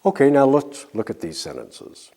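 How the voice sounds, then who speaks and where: A man teaching an English lesson, drilling example sentences slowly and clearly with pauses for learners to answer. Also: medium pitch, big pitch swings, warm tone. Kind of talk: slow scripted language lesson.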